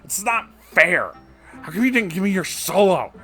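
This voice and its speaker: Man putting on a whiny, shouting entitled schoolboy. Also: sits high, very animated, normal speed, husky, faint music behind, pitched above the performer's own voice, heavily acted. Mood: indignant. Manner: shouting, complaining. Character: whiny entitled boy band student, jealous and indignant.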